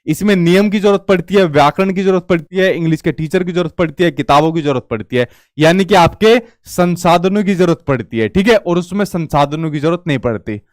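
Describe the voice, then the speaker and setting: Young guy with a hindi accent teaching exam prep, high voice, keeps saying "theek hai" and going over points again. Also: fairly quick, dry recording, studio quality. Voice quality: repeats "ठीक है" and restates points. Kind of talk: online exam-prep lecture.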